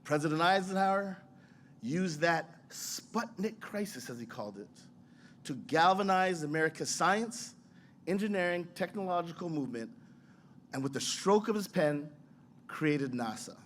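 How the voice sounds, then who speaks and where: A man's voice: fairly high pitch, expressive, normal speed, fairly bright tone, slight background noise. A man who heads a science museum, delivering a rousing, storytelling ceremonial speech.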